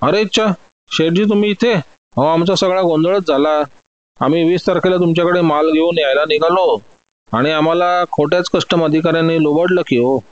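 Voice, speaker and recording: A man's voice: on the high side, expressive, a little fast, no room sound, pitched above the performer's own voice, natural voice. A brash young broker snaps back defensively in this storybook telling, as a man plays him. The voice is raised well above the narrator's own. The recording is dry and muffled. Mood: surprised. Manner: loud, defensive outbursts. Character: young male diamond broker, brash and lying.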